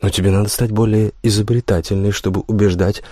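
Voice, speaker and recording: A man's voice: lowish voice, level tone, quick pace, dark tone, dry recording, studio quality, natural voice. A male audiobook reader voicing a stern, dryly forgiving middle-aged woman teacher.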